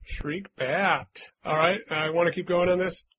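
A man hosts a casual trivia quiz among friends, reading out clues and teasing the players chattily. His voice is high, steady, sharp and slightly rough, at a measured pace.

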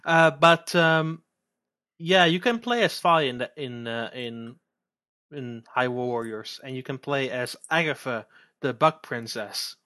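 A man's voice: mid-range voice, a little slow. Man stumbling eagerly through game talk. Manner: animated, stumbling repetitions. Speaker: podcast co-host. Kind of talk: casual game chat.

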